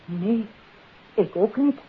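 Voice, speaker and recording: A woman's voice: mid-range voice, animated, slow, breathy edge, heavily acted. An actress playing an anxious, earnest and polite female suspect in a 1950s Dutch radio play. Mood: guarded. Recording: tinny, muddy old radio recording.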